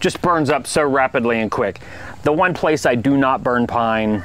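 A man talks at a moderate pace with ordinary pitch variation and very even loudness, in a dry sound with no echo and light background noise. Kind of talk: casual vlog chat. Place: garden.

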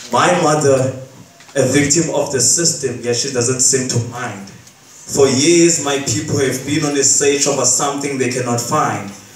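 The man speaks at a fairly slow pace. There is light background noise and audible room echo. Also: fairly even intonation. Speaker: spoken-word poet. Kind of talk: performed spoken-word poem. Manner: rhythmic, emphatic, repetitive wordplay delivery. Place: stage.

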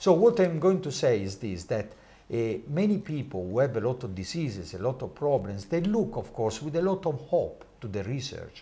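A man's fairly high-pitched voice with vocal fry and a dark, mellow tone, very wide pitch swings, hardly any pauses and a moderate pace. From Italy. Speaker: cardiologist; guest. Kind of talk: interview presentation. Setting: studio. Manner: halting. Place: studio. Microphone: lapel.

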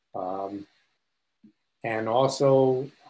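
This man's voice sits at a medium pitch with ordinary pitch variation and is somewhat breathy. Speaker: audience member asking questions; audience member. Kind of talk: Q&A question. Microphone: video call.

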